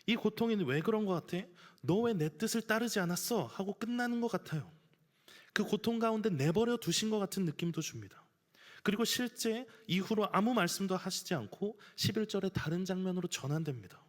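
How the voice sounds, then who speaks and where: A man's voice: high voice, animated, a little fast. A man preaching a sermon as pastor, earnest, sometimes acting out everyday scenes. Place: church sanctuary. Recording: church hall reverb.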